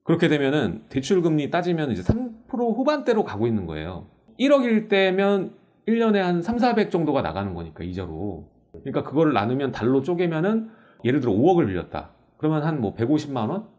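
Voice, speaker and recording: A man's voice: a little high, a little fast. A male host who introduces the segment and explains costs step by step in a casual talk-show style. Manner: animated, explains figures step by step.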